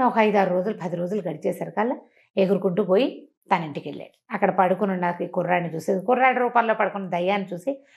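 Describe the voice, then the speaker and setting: A woman telling a children's moral tale in an animated, conversational way, slipping into the characters' dialogue as she narrates. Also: on the low side, quick pace, vocal fry. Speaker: storyteller.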